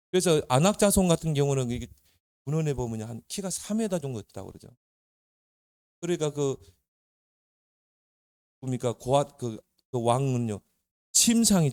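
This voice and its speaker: A man who is a pastor, giving a lively, conversational sermon to young people and telling Bible stories with questions to his listeners. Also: a little high, no echo, studio quality. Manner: lively storytelling, acting out Bible characters. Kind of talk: sermon to youth.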